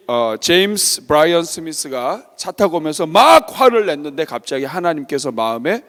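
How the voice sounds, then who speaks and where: High-voiced pastor in a reverberant church. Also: male voice. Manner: animated, asks the congregation questions and acts out voices. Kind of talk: children's sermon storytelling. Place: church sanctuary.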